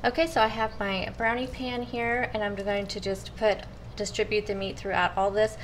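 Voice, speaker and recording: A woman's voice: mid-range voice, level tone, normal speed, slight background noise, rough recording. Chatty woman cooking in a home kitchen. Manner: chatty, addresses viewers as you guys. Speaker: cooking vlogger. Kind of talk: casual step-by-step cooking talk.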